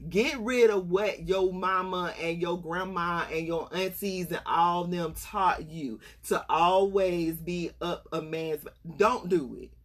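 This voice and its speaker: A woman's voice: lowish voice, slow, hardly any pauses. A woman life coach giving candid, conversational relationship advice, acting out quoted voices as she talks. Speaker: life coach podcast host. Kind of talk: casual advice talk to camera.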